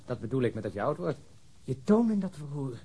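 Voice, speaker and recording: A man's voice: mid-range voice, very animated, a little fast, mellow, breathy edge. An actor in a radio drama playing a sardonic male policeman with a bantering, mocking manner. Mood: teasing.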